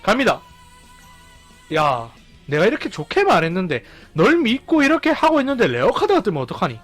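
Male gaming streamer: high, bouncy voice full of countdowns and shouts, over soft game music. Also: a little fast. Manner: animated, counting down and exclaiming loudly. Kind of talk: excited gameplay commentary.

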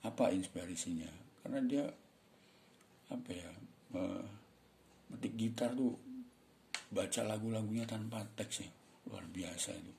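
A man with a deep, mellow voice teaches English in an easygoing, chatty way. He repeats his points and reads English passages slowly, with an Indonesian accent. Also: vocal fry, slight background noise. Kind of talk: casual spoken lesson.

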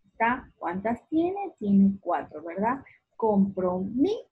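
A woman teaching a remote lesson to young children, slowly stretching out words syllable by syllable and speaking affectionately to the child. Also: a little high, expressive, slightly rough, narrow, tinny audio. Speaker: primary school teacher.

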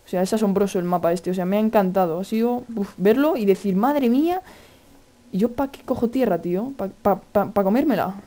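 A man with a Spain Spanish accent giving casual, excitable gameplay commentary, chatty and full of exclamations. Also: sits high, fast talker, hardly any pauses. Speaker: gaming video host.

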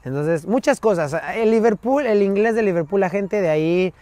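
A man, a podcast guest telling stories in a lively way and mimicking English phrases. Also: high-pitched, moderate pace, no room sound. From Mexico. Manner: animated storyteller who mimics English phrases. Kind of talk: casual interview storytelling.

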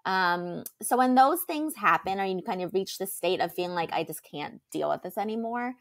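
A woman's voice: mid-range voice, expressive, moderate pace. A young woman co-hosting a podcast, talking in a chatty, reassuring way with lots of fillers. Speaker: podcast co-host. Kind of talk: casual chat.

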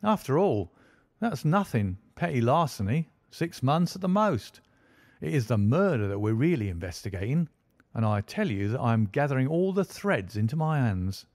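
A man's voice: medium pitch, very animated, normal speed, a little mellow, no echo, studio quality. A man reading aloud and voicing a brash, self-satisfied police inspector who boasts and insists on his own theory. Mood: dismissive.

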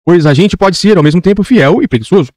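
A man voicing a tired, dutiful lamplighter who speaks in a flat, resigned way. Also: high voice, fast, dry recording, studio quality, voice pushed up.

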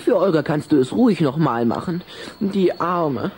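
A man's voice: on the high side, lively intonation, moderate pace, darkish tone, slight background noise. An actor playing a cheeky, sly little vampire boy in a German children's radio play, brash and offhand. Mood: offhand, needling.

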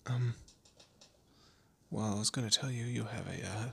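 Man acting a breathy, frightened vampire captive. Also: on the low side, steady tone, darkish tone, heavily acted. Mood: awkward, nervous. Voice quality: breathy, husky. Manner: halting, stammering, breathy whispers. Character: frightened, pleading young man kidnapped by a vampire. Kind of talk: amateur audio roleplay drama, one-sided dialogue.

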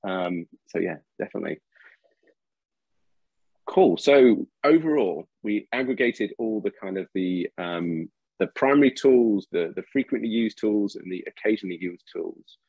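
A man moderating a webinar panel over a video call, walking through slides in a relaxed, conversational way. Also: lowish voice, normal speed, vocal fry, breathy edge, no room sound, phone-quality sound.

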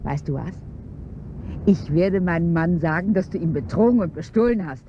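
An actress playing a glamorous rich wife with a dark past, haughty and biting, on a dull, faintly hissy radio-play recording. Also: female voice, fairly low pitch, animated, normal speed, close to an everyday voice. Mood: scornful. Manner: haughty and biting, then fretful. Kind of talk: 1970s-style German radio play acting.

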